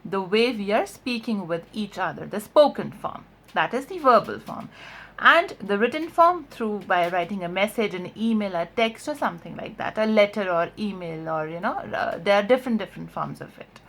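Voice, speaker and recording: A woman's voice: mid-range voice, animated, fairly bright tone. A woman who is a non-native English speaker teaches an explanatory video lesson as a coach, stressing and stretching key words and often checking in with short tags. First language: not English. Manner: emphatic, drawn-out key words, frequent check-in tags like "right?". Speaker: online voice and accent coach.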